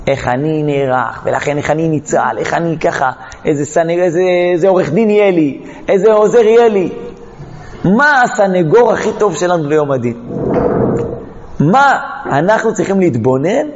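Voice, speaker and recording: A man's voice: a little high, a little mellow, long reverb tail, dull audio. A man teaching a Torah lesson, telling a parable dramatically and acting out the characters. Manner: dramatic storytelling, acts out the characters. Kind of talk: storytelling lesson.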